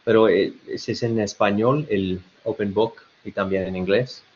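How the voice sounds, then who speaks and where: A man's voice: lowish voice, fairly even intonation, measured pace, darkish tone, a little hiss or hum. A man with an American-tinged Spanish accent giving an online webinar presentation, hesitant with many fillers and restarts. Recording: dull lo-fi web call audio.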